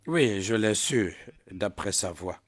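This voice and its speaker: A man with a fairly low voice gives testimony in a courtroom. He answers firmly and keeps restating what he heard. His delivery is that of a witness under questioning. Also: expressive, takes it slowly. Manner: insistent, repeats his answers. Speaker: trial witness.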